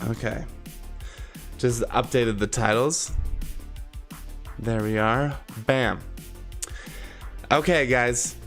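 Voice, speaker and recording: A man's voice: medium pitch, very slow, long pauses, a bit bright, faint music behind. A man with a slightly congested, sniffly voice from a cold, chatting casually and conversationally to his live stream viewers. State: sick with a cold.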